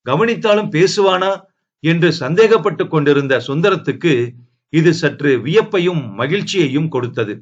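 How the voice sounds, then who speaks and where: A man reading a family novel aloud in a steady, measured storytelling voice. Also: fairly high pitch. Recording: dull lo-fi audio.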